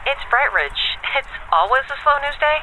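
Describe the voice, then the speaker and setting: A woman playing a composed, caring school counselor in an audio drama, measured and diplomatic, firm but dry. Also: high-pitched, very animated, sharp tone, a little hiss or hum, full character voice, low-quality recording.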